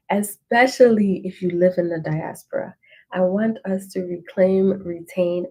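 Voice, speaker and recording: A woman teaching a language lesson, reading through an ebook page by page and slowly repeating phrases to encourage learners. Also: on the low side, vocal fry, darkish tone, husky, rough recording.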